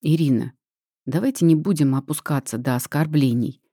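A woman reading an audiobook, voicing a calm young man who speaks in a level, composed way. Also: low-pitched, moderate pace, breathy edge, no echo, studio quality, pitched below the performer's own voice. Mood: calm firm.

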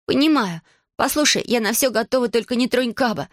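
A storybook reader voicing a brave young girl who cries out and pleads in a high, emotional voice. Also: a little fast, no echo, studio quality, natural voice. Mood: defiant.

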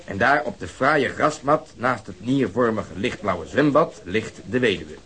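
A man's voice: lowish voice, expressive, unhurried, a bit bright. An actor playing a blunt, cynical, leering policeman who tells things with relish in a naturalistic radio drama.

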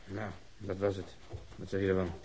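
A man's voice: low-pitched, monotone, normal speed, background noise, natural voice. A man playing a dry, mocking, easygoing police detective in a radio drama, with a wry, casual manner. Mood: curious.

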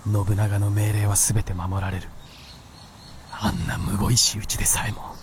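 A man playing a weary, gruff but kindly white fox spirit who speaks bluntly in a Japanese radio drama. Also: fairly low pitch, little pitch movement, moderate pace, noisy background. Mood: weary, brooding. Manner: gruff scolding, sighing, blunt speech.

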